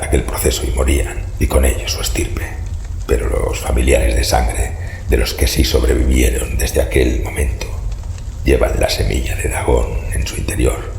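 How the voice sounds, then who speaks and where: A sinister man with a cavernous, rasping voice, performed as a full character voice that rumbles low with a darkish tone, gravelly and breathy. He is a grave, courteous older man descended from cursed fish-like cultists, narrating slowly, formally and ominously in a horror audio drama, recorded in an echoey, reverberant room with faint noise.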